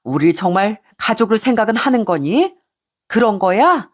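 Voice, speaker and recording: A wounded mother-in-law in her sixties, as a woman puts her on, pouring out reproachful questions at a middle pitch in a spoken storybook. Her voice climbs sharply as she presses for answers. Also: very animated, normal speed. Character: hurt indignant Korean mother-in-law, 60s.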